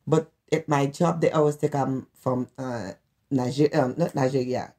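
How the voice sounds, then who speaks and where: A woman's voice: extremely low pitch, steady tone, moderate pace, warm tone. A woman from Haiti with a Haitian accent, chatting as a guest and telling stories with laughter in simple English. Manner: laughs while telling anecdotes, plain broken English. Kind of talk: casual conversation, storytelling.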